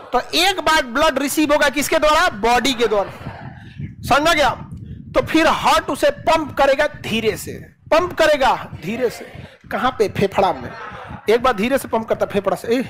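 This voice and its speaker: A man teaching a class, firing questions and answering them himself in a lower aside, with rustic colloquial jokes. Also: a bit bright, a little hiss or hum, rough recording. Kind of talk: classroom lecture with call-and-response.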